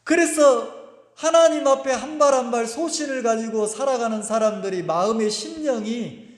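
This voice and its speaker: A man's voice: very high voice, moderate pace. A male pastor preaching a sermon emphatically, firing rhetorical questions at the congregation. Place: church sanctuary. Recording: echoey church hall with long reverb.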